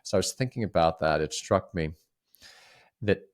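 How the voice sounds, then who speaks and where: A man co-hosting a reflective conversational discussion, speaking haltingly with frequent repeated words and restarts. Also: deep voice. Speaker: podcast co-host.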